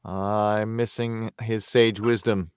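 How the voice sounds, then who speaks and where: A man's voice: on the low side, level tone, slow, clear, resonant tone, dry recording, clean studio sound. Male podcast host, rambling casual chat, resonant voice. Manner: rambling, friendly, loses his words. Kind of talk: casual group chat over mics.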